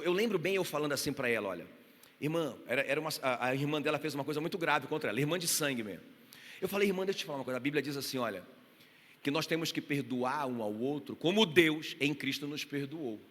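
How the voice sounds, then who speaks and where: A man's voice: high voice, pushed and bright. A man with a Brazilian Portuguese accent preaching a sermon in church, passionate and full of told stories with acted-out quotes. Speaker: pastor. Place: church hall. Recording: reverberant church hall.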